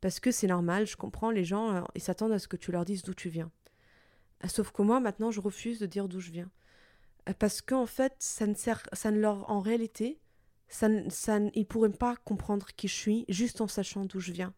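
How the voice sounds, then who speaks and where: A young woman from Portugal, a native Italian speaker with an Italian-Portuguese accent, hosting a reflective personal podcast monologue, thoughtful and hesitant with many pauses and restarts. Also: mid-range voice, warm tone, no echo, clean studio sound. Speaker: podcast host.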